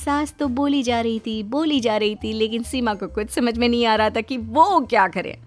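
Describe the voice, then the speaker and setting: A woman narrating a cartoon moral story in an expressive storytelling manner. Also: fairly high pitch, moderate pace, faint music behind.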